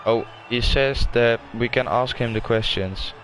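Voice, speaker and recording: A man co-commentating a live race broadcast in a relaxed, chatty way. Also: mid-range voice, measured pace, soft background music.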